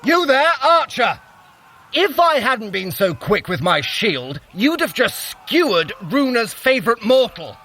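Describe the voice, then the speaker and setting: An actor playing a sly, exasperated trickster god in an audio drama, with an arch, courtly manner. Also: male voice, very high voice, very animated, measured pace, sharp tone, a little hiss or hum, full character voice. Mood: indignant.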